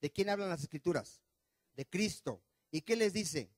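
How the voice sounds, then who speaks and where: Questioning pastor with a high voice. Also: male voice, animated, no room sound. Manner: asks the congregation rapid questions, swings loud and soft. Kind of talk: sermon. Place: church.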